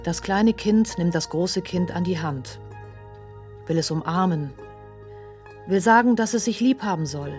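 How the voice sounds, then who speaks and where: An actress performing an outsider's literary radio monologue in short, incantatory, repeated phrases. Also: female voice, lowish voice, a little slow, pauses often, darkish tone, faint music behind, lightly acted. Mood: pleading, tender.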